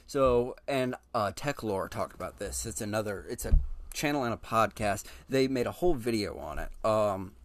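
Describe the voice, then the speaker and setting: A man hosting a casual solo podcast, talking to listeners directly in a relaxed, chatty way with frequent ums and restarts. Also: medium pitch, dry recording. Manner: addresses listeners directly and informally. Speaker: podcast host.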